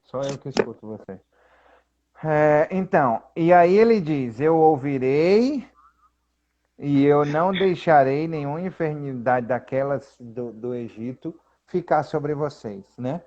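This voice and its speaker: A man talks over a Bible passage in an animated, casual way, slowing down to read verses with weight. His voice is fairly high but mellow. The recording sounds a little dull and lo-fi. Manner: animated, reads scripture aloud slowly with emphasis. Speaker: co-host.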